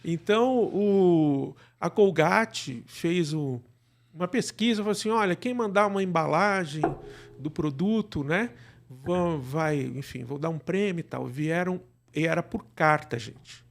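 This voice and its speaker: A man's voice: a little high, a little slow, vocal fry. A man with a Brazilian Portuguese accent explaining things conversationally as an interview guest, often adding short tag questions. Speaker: guest, radio drama producer.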